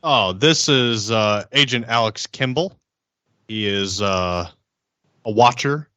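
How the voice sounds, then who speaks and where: A man playing an affable vampire agent in a tabletop game, talking in a casual, halting, friendly way. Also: lowish voice, sharp tone, clear, resonant tone, dry recording, dull audio. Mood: polite, hesitant. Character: affable, hesitant male vampire agent on a mission. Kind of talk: in-character tabletop roleplay.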